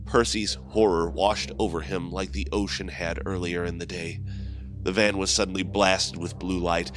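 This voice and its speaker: A man reading a scripted horror story as its narrator, in a measured, dramatic way. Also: deep voice. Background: music behind the voice.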